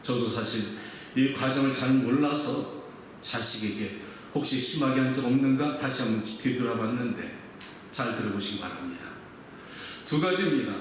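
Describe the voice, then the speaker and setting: Middle-aged pastor preaching in an echoey hall. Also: male voice, medium pitch, fairly bright tone. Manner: earnest, measured preaching with drawn-out pauses. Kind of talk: sermon. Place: large church hall, indoors. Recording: very echoey hall reverb, faint noise.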